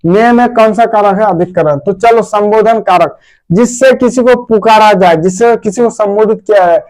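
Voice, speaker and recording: Guy a pretty high voice teaching grammar, fatherly, keeps calling students his dear kids, asks himself questions and answers. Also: normal speed, darkish tone. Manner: fatherly, repetitive, addresses students as dear children. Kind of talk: informal grammar lesson.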